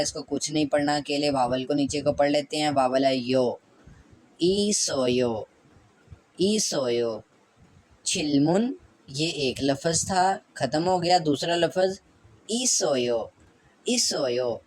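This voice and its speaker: A teacher with a Pakistani Urdu accent walks learners through Korean reading rules in an unhurried, measured way. The voice sits at a middling pitch and patiently repeats each syllable, often adding calm reassurance. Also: poor audio. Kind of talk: step-by-step language lesson.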